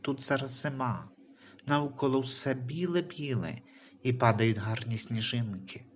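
A man voicing a tender, reassuring guardian angel in a Christian audio story, speaking calmly and comfortingly. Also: mid-range voice, measured pace, dull audio, a little hiss or hum, close to an everyday voice. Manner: calm, comforting.

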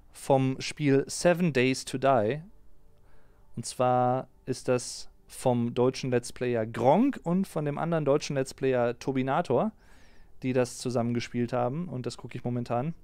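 Here a German streamer with a smooth, mid-range voice chats casually, reading viewer comments aloud and replying in a relaxed manner. He's in a small home streaming room, captured by a close desk mic on a boom arm with no echo.

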